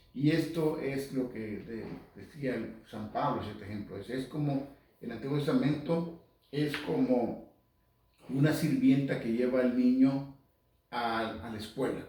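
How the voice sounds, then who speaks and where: A man leads a Catholic Bible lesson for radio in a loose, conversational way, often repeating words and slowing down to read verses. His voice sounds distant from the microphone and carries heavy room echo. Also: mid-range voice, a little mellow. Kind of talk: informal Bible study talk. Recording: very echoey room, distant mic.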